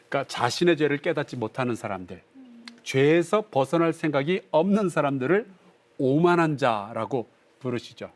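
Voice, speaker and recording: A male pastor teaching a Bible class on broadcast, reading scripture aloud and explaining it in a lively, conversational way. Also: mid-range voice. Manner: reads scripture aloud, acts out drunk voices playfully.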